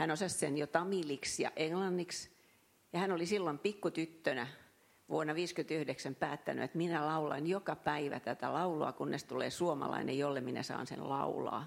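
Using vocal fry, a woman speaks at a very deep, low pitch and a moderate pace with ordinary pitch variation. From Finland. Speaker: audience member. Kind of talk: personal anecdote. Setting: chapel with audience.

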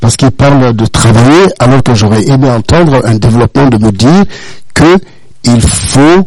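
A man's voice with lively intonation, very even loudness and a moderate pace, over noticeable background noise. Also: medium pitch for a man. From Guinea. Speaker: debate contestant, journalism-trained. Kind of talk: competitive debate. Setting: radio studio.

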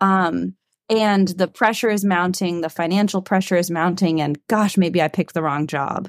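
With a plain, everyday voice at medium pitch, a woman talks at a moderate pace with fairly even intonation, in a dry, close sound with no echo on a very clean recording with a silent background. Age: 30s. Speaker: Episcopal priest. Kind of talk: casual interview chat.

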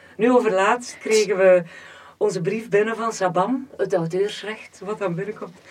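Her plain, everyday voice sits at a medium pitch for a woman. She keeps a moderate pace and fairly even intonation. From Flanders, Eeklo (East Flanders). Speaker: radio and TV presenter, singer. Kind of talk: casual interview chat. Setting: studio.

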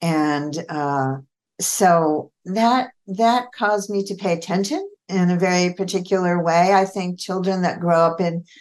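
A woman with a Californian accent, fairly low pitch and fairly even intonation, at a fairly slow pace over a quiet background. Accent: General American (Californian). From California, US. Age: 70s. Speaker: integrative cancer care practitioner. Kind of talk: interview conversation.

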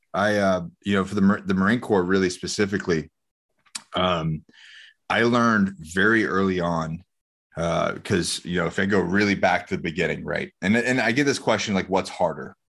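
Here is a man with an unremarkable speaking voice, fairly low in pitch, with an American accent. He keeps a moderate pace and ordinary pitch variation against a quiet background. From United States. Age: 40s. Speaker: Marine veteran and entrepreneur. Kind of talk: podcast interview.

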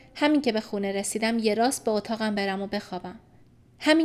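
Reading done in an unforced voice

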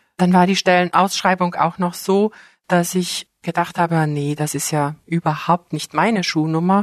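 Speaking at a fairly slow pace with fairly even intonation, a woman has an ordinary speaking voice, fairly low pitched, in a dry, close sound with no echo. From South America. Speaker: mission organisation worker. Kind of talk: interview.

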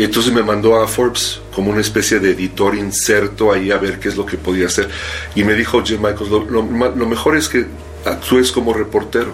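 A man speaks fairly quickly with fairly even intonation, noticeable background noise behind him. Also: fairly low pitch for a man. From Texas, El Paso. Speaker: opera singer and magazine editor. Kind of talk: interview conversation.

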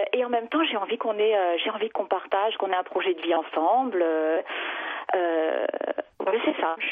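Over noticeable background noise, a woman talks fairly slowly. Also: medium pitch for a woman, lively intonation. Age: 40s. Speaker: caller, entrepreneur and mother. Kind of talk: phone-in conversation. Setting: phone call.

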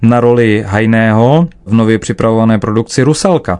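At a moderate pace, a man speaks in a dark, mellow tone at medium pitch against a quiet background. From Czech Republic. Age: 30s. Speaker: opera singer. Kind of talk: radio interview. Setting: studio.

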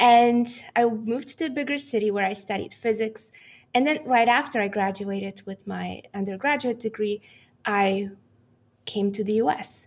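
A woman with a Polish accent speaks at a moderate pace, her fairly high pitch moving with ordinary variation. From Poland, small town. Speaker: transport professor. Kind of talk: interview conversation.

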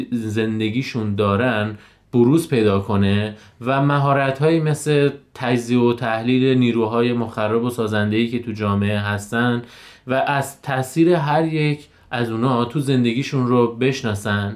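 A man talks at a fairly slow pace in an unremarkable speaking voice, his pitch medium and its variation ordinary, on a very clean recording with a silent background. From Iran, Lalejin near Hamedan. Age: 30s. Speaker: car mechanic and amateur playwright. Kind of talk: life story interview.

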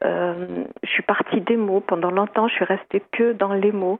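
A woman's medium-pitched voice at a very slow pace, flat and monotone, over noticeable background noise. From eastern Algeria. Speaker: novelist and playwright. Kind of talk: interview. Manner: repeats words.

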